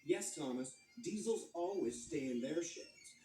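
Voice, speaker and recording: A man's voice: a little high, lively intonation, unhurried, dark tone, faint music behind. A man voicing a stern railway controller in a children's storybook, reproving and authoritative. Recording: roomy, distant mic, faint noise.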